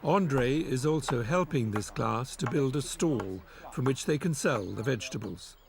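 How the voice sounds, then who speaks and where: Man, documentary narrator, gravelly voice, measured, explanatory. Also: mid-range voice, lively intonation, background noise. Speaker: documentary presenter and interviewer.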